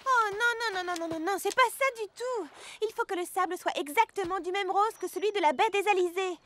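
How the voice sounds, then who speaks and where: A woman's voice: very high-pitched, brisk, a bit bright, a little hiss or hum. A woman voicing a bossy, perfectionist girl in a children's cartoon, fussy and dramatic. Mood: fussy, alarmed. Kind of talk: children's cartoon dub acting. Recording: music behind the voice.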